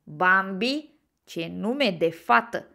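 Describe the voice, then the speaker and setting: A woman's voice: medium pitch, fairly even intonation, smooth, natural voice. A woman voicing a mean, teasing young male deer bully in a storybook. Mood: taunting. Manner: loud mocking taunts.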